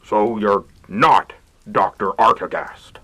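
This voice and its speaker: A man playing a blustery city mayor with a brisk official manner in a comedic radio drama. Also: lowish voice, bright, forceful tone, full character voice. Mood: dismissive. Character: blustery, easily cowed male city mayor. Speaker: voice actor. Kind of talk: comedic old-time radio drama acting.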